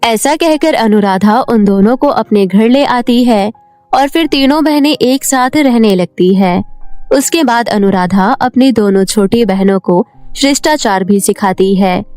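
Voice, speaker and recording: A woman's voice: a little high, unhurried, a little mellow, no echo. A woman storyteller reading a scripted children's tale as narration. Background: faint music.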